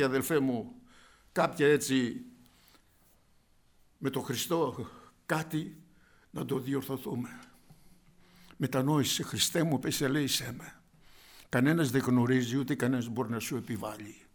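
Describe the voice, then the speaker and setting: With a mid-range voice, a man preaches fervently, speaking straight to his audience as brothers. His delivery alternates between quiet asides and loud outbursts.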